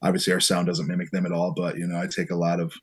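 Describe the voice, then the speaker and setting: A man's voice: low voice, completely flat delivery, rapid-fire. A man guesting on a podcast as a musician, chatting in an easygoing, laid-back way. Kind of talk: casual interview chat.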